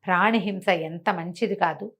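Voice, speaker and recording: A woman's voice: fairly low pitch, moderate pace, fairly bright tone, pitched below the performer's own voice. A woman storyteller voicing the Buddha as a serene, firm male teacher who admonishes and instructs. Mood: preaching.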